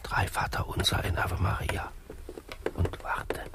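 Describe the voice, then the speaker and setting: An actor playing a sly, unctuous Catholic confessor in a satirical radio play, speaking in a hushed, pious, conspiratorial murmur. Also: male voice, a little slow, whispered, lightly acted. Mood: soothing, insinuating. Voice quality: husky, breathy.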